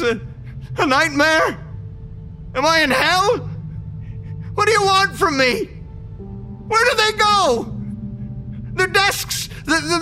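An actor playing an anxious man who unravels into paranoia, stammering and halting as he narrates. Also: on the high side, a bit bright. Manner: halting, stammering, rising to desperate pleading. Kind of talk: audio drama acting with narration.

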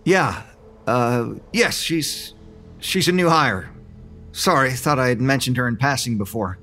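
An actor playing an anxious man who unravels into paranoia, stammering and halting as he narrates. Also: mid-range voice, expressive, pushed and bright, soft background music. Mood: tired, evasive. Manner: halting, stammering, rising to desperate pleading. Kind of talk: audio drama acting with narration.

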